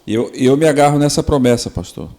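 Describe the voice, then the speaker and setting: An earnest Brazilian pastor with a voice of ordinary pitch. He slows down and leans into scripture and prayer on a devotional podcast. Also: expressive, warm tone. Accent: Brazilian Portuguese.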